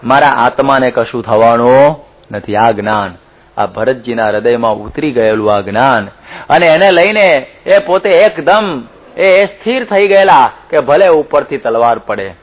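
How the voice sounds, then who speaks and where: A man's voice: mid-range voice, measured pace, highs cut off. A man giving a religious discourse as a preacher, telling stories with acted-out quotes and laughs.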